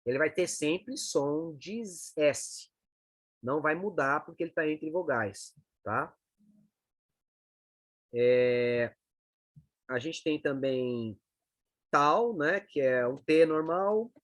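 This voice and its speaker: A man teaches a lesson on reading Greek letters. His voice sits a bit high, and the recording is dry and close with no room sound. He explains patiently and keeps checking in with short tag questions. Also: slow, pauses often, no echo. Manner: explanatory, frequent checking tags like "né" and "tá".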